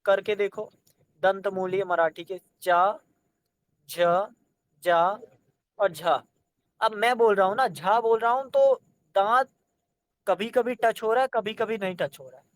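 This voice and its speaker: Male exam-prep teacher, high and smooth voice, dry close sound, sounds out each letter slowly. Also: dry recording. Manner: addresses students directly, coaxing them to try.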